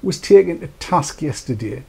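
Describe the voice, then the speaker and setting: Croaky chatty older man. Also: a little high, animated, moderate pace, darkish tone. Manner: chatty, jokey, rambling. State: croaky after dental work. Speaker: host. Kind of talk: casual chat. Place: small studio with dark backdrop. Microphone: lapel.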